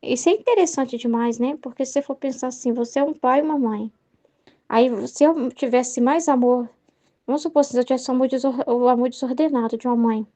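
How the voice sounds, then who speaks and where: A young Brazilian woman reflects aloud on a devotional book in a high, mellow voice. She wanders from thought to thought and keeps checking in with tag questions. The tone stays that of a spoken study. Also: fairly quick. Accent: Brazilian Portuguese. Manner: meandering, heavy use of "né?" and "entendeu?" tags. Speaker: Catholic study leader.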